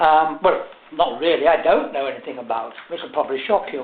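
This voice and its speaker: A man's fairly high voice in an English accent, at a fairly quick pace, with noticeable background noise and audible room echo. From England. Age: 70s. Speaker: lecturer. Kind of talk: lecture. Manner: halting.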